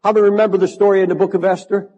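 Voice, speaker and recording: An older male pastor preaching in a large church, his voice sitting notably high for a man. He builds into fervent, emphatic repetition. The sound carries a long reverb from the hall. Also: level tone, racing, darkish tone. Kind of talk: sermon.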